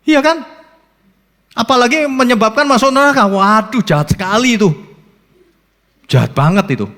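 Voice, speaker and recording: A male pastor preaching a sermon, swinging between high exclaims and low asides, with many rhetorical questions. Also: normal speed. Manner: lively preaching with sudden rises and drops, rhetorical questions. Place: church hall. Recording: long hall reverb.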